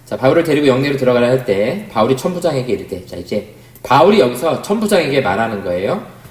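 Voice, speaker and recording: A man's voice: medium pitch, big pitch swings, fast, a little mellow. A man, a pastor, giving a Bible study lecture in a conversational way, often asking the class questions. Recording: roomy, echoey room sound.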